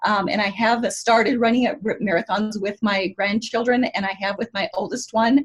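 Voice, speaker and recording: Somewhat breathy, a woman with a fairly high voice talks at a moderate pace. Her pitch varies in an ordinary way. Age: 60s. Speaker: nail technician and network marketer. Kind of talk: interview on a training call. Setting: conference call.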